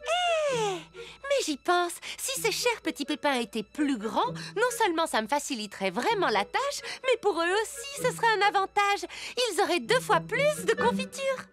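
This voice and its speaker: An eager, overworked little seamstress from a children's cartoon. Her voice is very high and girlish, theatrical and quick to get flustered. Music plays clearly behind her. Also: big pitch swings. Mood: frustrated, then excited. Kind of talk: French-dubbed children's cartoon acting.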